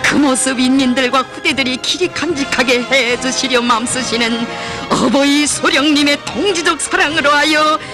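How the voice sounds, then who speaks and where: A man's voice: very high-pitched, moderate pace, hardly any pauses. A man with a North Korean accent narrating a propaganda documentary in a solemn, reverent, emotive declamatory style. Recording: music behind the narration. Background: music.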